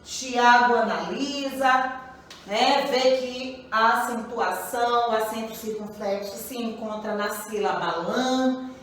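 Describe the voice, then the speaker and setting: A woman's voice: a little high, fairly bright tone, very echoey, recorded from a distance, slight background noise, low-quality recording. A woman teaching a grammar lesson to children, patient, often checking in with her pupils. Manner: slow, patient, repeats questions to pupils. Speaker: primary school teacher.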